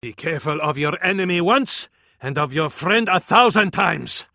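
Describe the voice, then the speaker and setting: Here a strategy game's fervent Arab military advisor speaks to a sultan with scorn, in a male voice that is high, bright, forceful and gravelly, carrying an Arabic accent. The exaggerated, animated delivery moves at a moderate pace, ornate and dramatic with many proverbs, in the manner of theatrical video game voice acting. It is recorded very dry and close, with no room sound.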